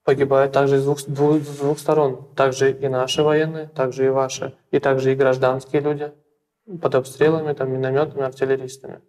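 A young man from Russia answering interview questions in a small plain room, halting and repeating words with many fillers. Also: mid-range voice, level tone, a little mellow. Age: young adult.

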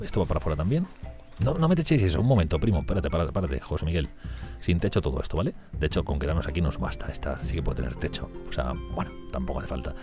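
A man with a Spain Spanish accent giving chatty let's-play commentary, thinking aloud and talking to his game characters. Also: very deep voice. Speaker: gaming channel host.

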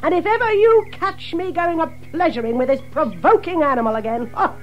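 Casting: excitable water rat, very high-pitched, bossy, indignant, for children's audio drama. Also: male voice, brisk, soft background music. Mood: weary, resigned. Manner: indignant, blustering, emphatic British exclamations. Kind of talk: full-cast children's audio drama acting.

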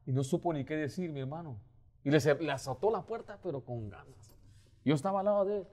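A middle-aged man preaching a sermon as pastor, animated, acting out little scenes as he talks. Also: fairly high pitch, fast. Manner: animated, acts out door-knocking scenes.

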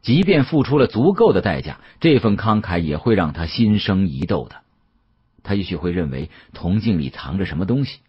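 A man narrating an audiobook as a dramatic storyteller, with an expressive, conversational delivery. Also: sits low, slightly rough, highs cut off.

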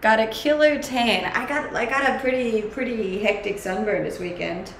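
At a moderate pace and a fairly high pitch, a young woman from Denmark chats with a Danish accent on a casual livestream. She responds to viewers' comments from her home kitchen indoors and laughs frequently. Her webcam sits at desk distance, and the recording has kitchen echo plus a faint background hum.

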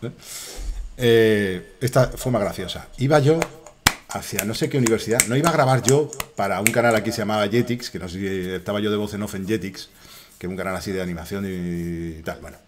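A middle-aged man with a Spain Spanish accent telling loud, swearing, jokey anecdotes on a casual gaming livestream, in an echoey room. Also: fairly low pitch, brisk, a little hiss or hum. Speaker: streamer and voice actor.

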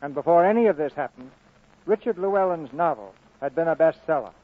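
High-pitched 1940s radio host, tinny vintage sound. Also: male voice, lively intonation, brisk. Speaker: radio theatre host and announcer. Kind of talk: 1940s scripted radio announcing. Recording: muffled narrowband vintage radio broadcast.

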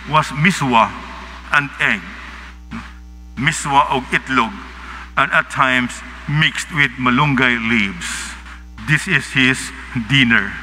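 A middle-aged man with a Filipino accent preaching a homily in short, halting phrases into a lectern microphone through a face mask. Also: mid-range voice, pushed and bright. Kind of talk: sermon, partly read from notes. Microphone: gooseneck lectern microphone, speaking through a face mask. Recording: reverberant PA sound with clear background noise.

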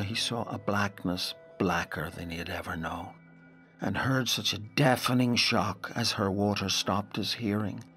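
An actor playing a grave, intense narrator in a literary audio drama, measured and full of dramatic pauses. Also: male voice, on the low side, fairly bright tone, lightly acted. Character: grave narrator haunted by a wild lake memory.

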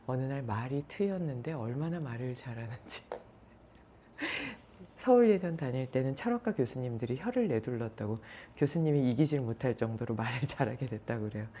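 A woman meditation yoga teacher telling stories in a soft-spoken, unhurried way. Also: very deep voice, slight background noise. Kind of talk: storytelling talk.

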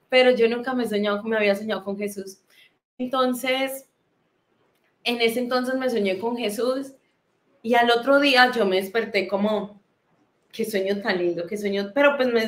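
A young woman telling a heartfelt personal testimony, full of fillers and repeated words. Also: a little high. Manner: heartfelt, many fillers and repetitions, soft laughs. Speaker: guest giving a testimony. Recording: roomy echo.

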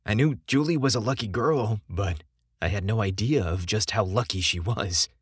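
A man's voice: lowish voice, moderate pace, breathy edge, no echo, studio quality. A man voicing a shy, polite young gay man with a crush in an audio story, casual and a little flustered. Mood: stunned. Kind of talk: audio story character dialogue.

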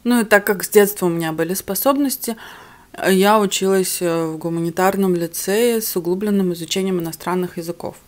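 A woman's voice: mid-range voice, a little fast. A young woman whose first language is not Russian, chatting candidly to camera between bites in her living room. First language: other than Russian. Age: young adult. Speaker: mukbang vlogger. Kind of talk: casual chat to camera while eating. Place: living room at home, indoors. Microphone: camera on the table in front of her.

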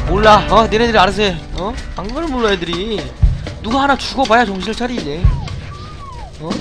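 A man doing comic commentary while streaming a game, playfully talking to the characters as if he were their dad and breaking into loud excited shouts. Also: high-pitched, brisk. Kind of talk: comic let's-play commentary. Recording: loud game music behind the voice. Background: game music.

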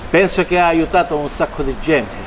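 Older man, earnest, slightly high, hum behind. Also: fairly quick. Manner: earnest, searching for words. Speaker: passerby interviewed. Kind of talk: street interview. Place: outside a shop.

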